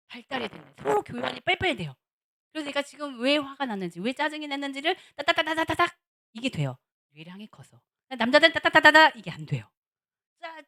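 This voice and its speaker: A middle-aged woman, a seminary professor, giving a lively lecture on marriage at a church, acting out little dialogues and repeating words for emphasis. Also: high voice. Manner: animated, acts out little dialogues of husbands and wives.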